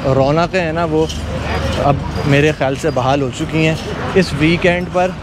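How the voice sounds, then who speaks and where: A man's voice: a little high, fairly even intonation, normal speed. A man with a Pakistani accent gives admiring, casual walk-through commentary as a vlogger, peppered with pious exclamations. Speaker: cattle market vlogger. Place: large open-sided tented cattle market at night. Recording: loud market ambience and background noise.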